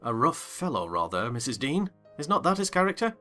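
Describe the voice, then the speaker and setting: Reader doing formal gentleman narrator, inquisitive, lively pitch, music in background. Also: brisk. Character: gentleman tenant, man, curious, formal. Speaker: first-person narrator. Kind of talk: dramatized audiobook reading.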